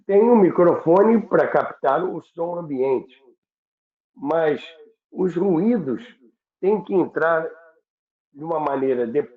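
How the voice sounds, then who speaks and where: Brazilian man, slowish didactic explainer, halting and repetitive, echoey narrow-band line. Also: fairly high pitch, animated. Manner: didactic, halting, repeats and rephrases points. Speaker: radio history commentator and guest. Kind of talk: unscripted explanatory talk recalling broadcasting history. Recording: echoey, narrow phone-like call sound.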